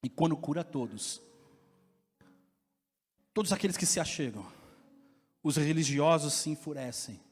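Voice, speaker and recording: Impassioned Brazilian pastor, high voice. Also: male voice, animated, unhurried, long pauses, slightly rough. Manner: impassioned preaching, rising to loud emphatic peaks. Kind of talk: sermon. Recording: reverberant hall with faint music.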